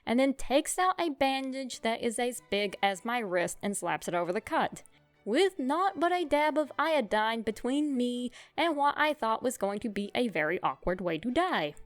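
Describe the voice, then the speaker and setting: A woman's voice: a little high, normal speed, no room sound, soft background music. Wry woman telling a funny story. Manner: wry, self-mocking, expressive. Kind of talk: comic storytelling narration.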